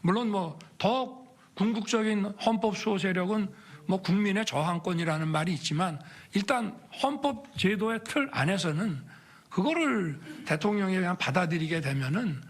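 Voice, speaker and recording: A man making formal public remarks in a measured, deliberate way. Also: high-pitched, expressive.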